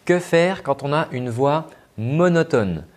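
A man's voice: mid-range voice, moderate pace. Man giving a spoken voice lesson. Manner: demonstrates flat and lively speaking voices; frequent hesitations with euh. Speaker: vocal coach.

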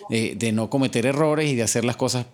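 A man's voice: mid-range voice, a little fast, slight background noise. A man hosting a radio interview, hesitant, with many restarts. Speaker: host.

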